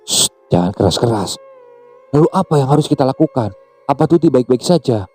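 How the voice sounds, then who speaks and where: A man voicing an anxious middle-aged mother who speaks in a hushed, worried way. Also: on the high side, fast talker, faint music behind, pitched above the performer's own voice, natural voice.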